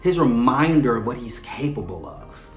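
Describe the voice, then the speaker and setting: A man's voice: medium pitch, lively intonation, moderate pace. A man hosting a podcast with casual, analytical commentary, conversational and often checking in with the listener. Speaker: podcast host. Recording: echoey room with faint music.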